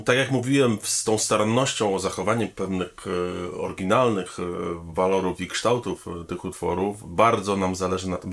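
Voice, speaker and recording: Man, very deep voice, formal, thoughtful, many hesitation sounds, composer talking. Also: creaky, fairly bright tone. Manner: measured and thoughtful, with frequent hesitation fillers; formal, polite address to the audience. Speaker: pianist, composer and arranger. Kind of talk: promotional talking-head statement.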